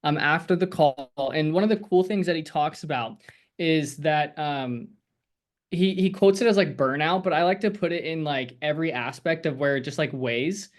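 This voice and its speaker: A man's voice: on the high side, moderate pace. A man coaching a group on a video call, talking casually in a rambling, encouraging way with lots of fillers. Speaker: sales coach.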